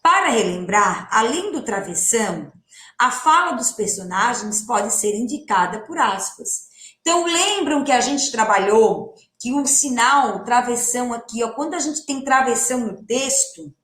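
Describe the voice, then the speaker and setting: A woman's voice: fairly high pitch, lively intonation, unhurried, a bit bright, roomy sound. A woman teacher with a Brazilian Portuguese accent, giving a recorded lesson to young children, stretching out words and asking the class questions. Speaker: primary school teacher.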